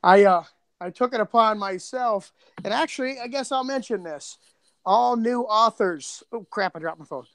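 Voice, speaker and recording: A man co-hosting a podcast, chatting casually in an animated, joking way. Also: high voice, moderate pace, no room sound. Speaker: podcast co-host and producer.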